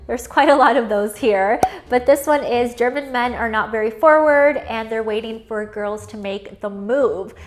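Chatty young woman with a high voice. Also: moderate pace, hardly any pauses, background noise. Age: young adult. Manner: chatty, laughs often, many fillers. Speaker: vlogger living abroad. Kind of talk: casual talking-head vlog. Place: living room indoors.

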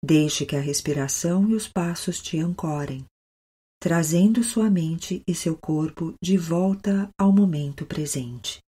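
Slow, low Brazilian woman guiding meditation like a yoga teacher. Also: breathy edge. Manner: calm, soothing yoga-teacher delivery with long pauses. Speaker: guided meditation instructor. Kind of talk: guided meditation.

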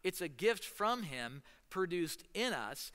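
A man's voice: high voice, takes it slowly, long reverb tail. A man in his thirties with a Midwestern American accent, a pastor preaching a casual, story-driven sermon from a stool on a church stage, gesturing as he talks. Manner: storytelling, animated with hand gestures, seated on a stool. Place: church stage in front of a large screen.

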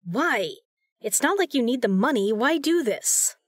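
A woman's voice: a little high, big pitch swings, measured pace, no room sound, clean studio sound. A woman playing a decisive, no-nonsense female agent in an audio drama, with a commanding manner. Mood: urgent. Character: brisk, decisive, principled female secret agent.

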